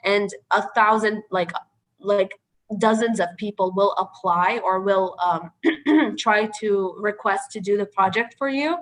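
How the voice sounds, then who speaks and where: A woman answering a question in an online training session, chatty and earnest, with a dry throat she keeps clearing. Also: mid-range voice, low-quality recording. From Palestinian. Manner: chatty and earnest, frequent "you know" and "like". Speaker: media trainer.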